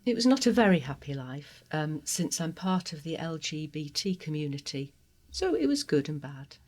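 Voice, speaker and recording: A trans woman from Guatemala, a native Spanish speaker, telling her life story in an interview with an earnest, heartfelt, measured manner. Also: low voice, very animated, darkish tone. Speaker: interview guest. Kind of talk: personal testimony interview.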